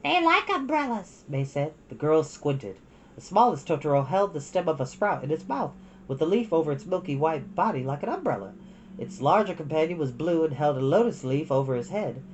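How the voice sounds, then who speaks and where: Woman, low pitch, very animated storybook narration, unhurried dramatic delivery, noticeable background noise. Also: muffled recording. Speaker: storytime host reading a book aloud. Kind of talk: expressive children's storybook narration.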